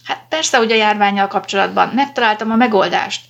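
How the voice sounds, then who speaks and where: A woman's voice: medium pitch, vocal fry, a bit bright, muffled recording. A woman reading the lines of an impatient, insistent young male medical student in a story. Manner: urgent, insistent.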